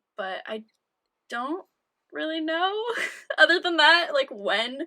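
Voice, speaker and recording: A woman speaks at a fairly slow pace in an extremely high pitch, her raised, projected voice bright and sharp in tone with lively intonation. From Seattle area, US Pacific Northwest. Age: 20s. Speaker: podcast co-host, university student. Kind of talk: casual chat.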